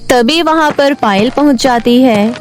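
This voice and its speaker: A woman's voice: high-pitched, a little slow, soft background music. A woman reading scripted narration for a children's moral story, as the storyteller.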